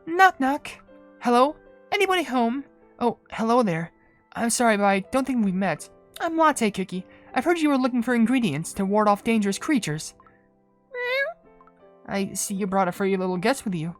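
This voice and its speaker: A woman's voice: on the high side, expressive, normal speed, soft background music, lightly acted. A woman voicing a friendly, bubbly young female wizard in cartoon game dialogue. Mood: cheerful, friendly.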